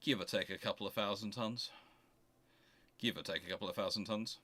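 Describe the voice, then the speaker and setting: Here the naval history Q&A host sounds somewhat low and brisk. It's a laid-back livestream where he explains at length, pressing his arguments hard and catching and correcting himself partway through sentences.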